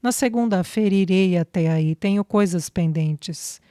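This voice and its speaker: A young man in love, pleading and shaken with emotion in an audiobook, as a female narrator reads his part. Low, mellow, dry close sound. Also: unhurried, no room sound, natural voice. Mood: moved, pleading. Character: loving young man, moved to tears.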